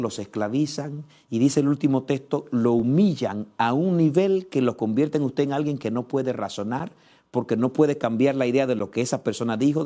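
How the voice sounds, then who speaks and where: A male pastor preaching a sermon in church. He swings between low, measured passages and loud, impassioned stretches, and he piles up short repeated phrases. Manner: lists things in rapid repeated phrases.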